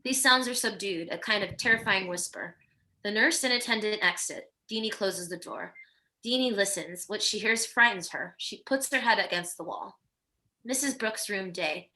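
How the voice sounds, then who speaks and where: A crisp, bright female voice at an average pitch reads screen directions aloud. It is scripted narration for a table read, moving from one action to the next. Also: moderate pace, poor audio. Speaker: narrator reading stage directions.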